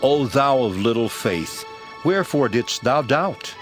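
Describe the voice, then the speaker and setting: A man's voice: mid-range voice, expressive, a little slow, over music, close to an everyday voice. A man playing an assured, commanding holy teacher in a dramatized scripture reading. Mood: gentle reproach.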